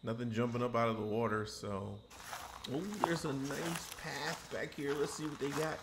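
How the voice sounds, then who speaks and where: A man's voice: mid-range voice, flat delivery, moderate pace, background noise. Man chatting on an outdoor walking tour. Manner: chatty, rambling, self-correcting asides. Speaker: travel vlogger host. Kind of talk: casual walking-tour commentary. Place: outdoors in dry woods and bamboo thicket.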